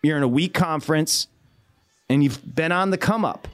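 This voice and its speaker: A man hosting a sports betting show, talking casually in an animated, ranting way with quick asides. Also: a little high. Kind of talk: casual sports radio talk.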